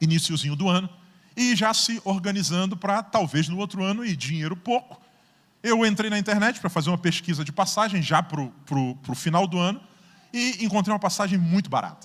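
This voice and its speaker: With a Carioca accent, a man talks at a fairly quick pace in an animated tone, his pitch high with ordinary variation. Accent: carioca (Rio de Janeiro) Brazilian Portuguese. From Brazil, Rio de Janeiro. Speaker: guest preacher. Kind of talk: sermon. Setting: church.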